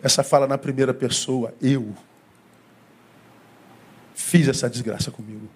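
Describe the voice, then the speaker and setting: In a mid-range voice with a steady tone and a breathy edge, a pastor with a Brazilian Portuguese accent preaches at a measured pace. His sermon centers on a story, with acted-out dialogue and lots of repeated phrases.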